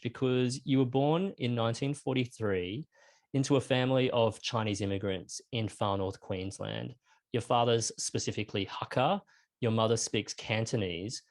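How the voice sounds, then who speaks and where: A man with an Australian accent interviewing a guest, friendly and engaged, asking lively follow-up questions. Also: mid-range voice. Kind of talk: conversational interview.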